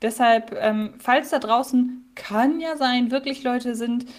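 A woman in her thirties co-hosting a podcast in casual chat, chatty and quick to laugh, with frequent fillers. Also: a little high, steady tone. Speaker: podcast co-host.

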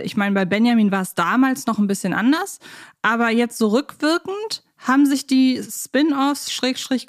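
A woman co-hosting a podcast, chatting casually and enthusiastically. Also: on the high side. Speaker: podcast co-host.

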